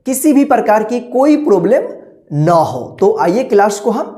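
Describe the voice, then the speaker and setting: A woman's voice: fairly high pitch, big pitch swings, normal speed, dark tone. A woman teaching an online reading lesson, explaining patiently, repeating herself, drawing out and spelling out words, and often checking that the class follows.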